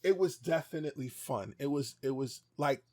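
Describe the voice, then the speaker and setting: A man's voice: mid-range voice, moderate pace, dark tone. A man chatting casually as a podcast co-host, reminiscing in a searching way and often repeating his phrases.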